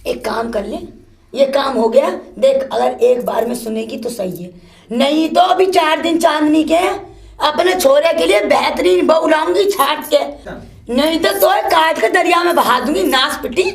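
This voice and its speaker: A woman playing a scolding old mother-in-law who curses and complains nonstop. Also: close to an everyday voice. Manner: shrill, cursing, complaining nonstop. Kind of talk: solo comedy sketch.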